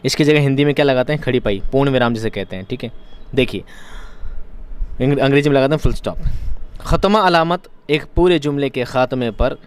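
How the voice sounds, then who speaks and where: A man's voice: mid-range voice, fairly quick, clear, resonant tone. A man teaching an exam-prep lesson, explaining each point by repeating it in other words and asking rhetorical questions.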